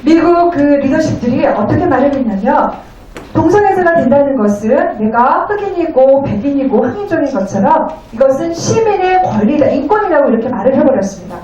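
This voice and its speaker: A woman interpreting a lecture phrase by phrase in a polite, formal, somewhat halting way. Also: high voice, big pitch swings, mellow, highs cut off. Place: echoey indoor venue. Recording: very echoey, distant room.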